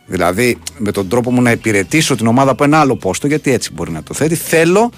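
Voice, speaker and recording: Animated Greek male sports radio host. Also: soft background music. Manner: animated, jumps up and down in pitch. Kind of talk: casual sports radio banter.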